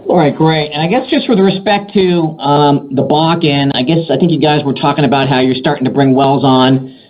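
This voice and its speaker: A man's voice: a little high, normal speed. Man on dull, faintly noisy call audio. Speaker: financial analyst asking questions. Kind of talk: conversational earnings call questioning. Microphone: telephone.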